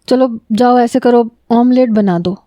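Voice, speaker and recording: A woman's voice: fairly high pitch, dark tone, no room sound, studio quality, lightly acted. A woman voicing an irritable, tired young husband who scolds his wife in short, curt lines. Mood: irritated.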